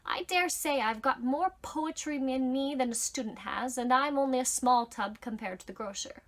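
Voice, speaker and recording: A small storybook tub that talks, played by a woman. It is a boastful know-it-all, chattering in a high voice. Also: moderate pace, a bit bright.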